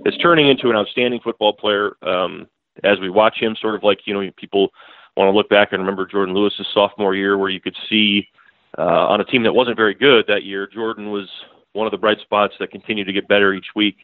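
A lowish male voice, fairly quick and with fairly even intonation, comes over a dry, tinny phone line. The speaker, a beat writer calling in as a guest, gives casual analysis of a football game in rambling talk packed with restarts and fillers.

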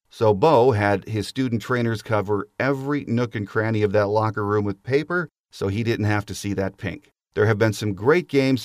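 A man hosting a podcast, reading a prepared monologue in a steady, scripted delivery. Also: lowish voice, no room sound, studio quality. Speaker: podcast host.

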